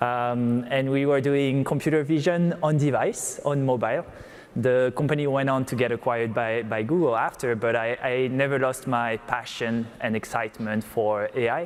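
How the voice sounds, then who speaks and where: In a French accent, a man speaks at medium pitch and a moderate pace, with fairly even intonation and very even loudness. Noticeable background noise sits behind him. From France. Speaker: tech startup co-founder. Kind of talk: onstage interview. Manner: hesitant, many fillers.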